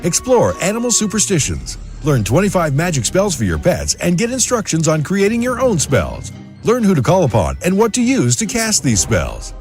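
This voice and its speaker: A man's voice: a little high, wildly swooping pitch, moderate pace, darkish tone. A man reading a scripted book promo as an emphatic advertisement announcer. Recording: music bed under voice. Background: clear background music.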